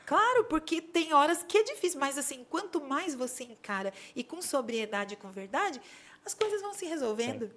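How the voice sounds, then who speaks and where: A woman guest on an interview podcast, telling stories in a casual, animated way and acting out dialogue in them. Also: sits high, a little fast, slight background noise. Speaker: podcast guest, bridal designer. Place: podcast studio.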